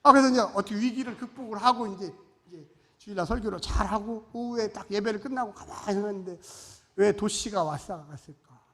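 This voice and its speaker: A male pastor delivers a sermon as a lively story, jumping from loud outbursts to quiet asides. His voice is bright and sharp. It rings out with the long reverb of a church hall. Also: high-pitched, brisk. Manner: animated storytelling, swinging between loud and hushed. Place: church sanctuary.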